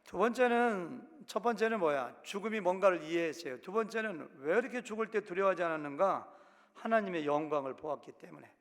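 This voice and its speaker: Animated Korean pastor with a Chungcheong accent. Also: male voice, high voice, brisk. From Korea, Chungcheong province. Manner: animated, acts out quotes in shifting voices. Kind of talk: sermon. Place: church sanctuary. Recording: long hall reverb.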